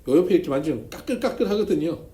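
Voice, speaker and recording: A man's voice: fairly high pitch, lively intonation, racing. A man, a pastor, preaching at a church seminar and telling stories with humor and sudden emphasis. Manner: storytelling with humor, emphatic swings in loudness. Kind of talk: seminar sermon. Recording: echoey church room, faint noise.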